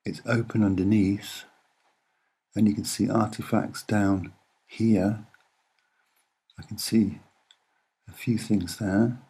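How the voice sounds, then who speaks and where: Male amateur presenter, soft and unhurried, husky edge, deliberate off-the-cuff explanation in short phrases. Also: lowish voice, steady tone. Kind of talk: unscripted soft-spoken commentary over images.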